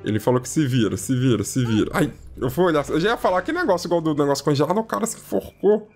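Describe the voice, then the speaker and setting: A man giving casual, excitable commentary as he plays a video game, constantly calling out to his viewers. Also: very fast, soft background music. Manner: chatty, repeats "ó" and "galera" constantly; lively and excitable, jumps in pitch when surprised. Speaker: gaming YouTuber.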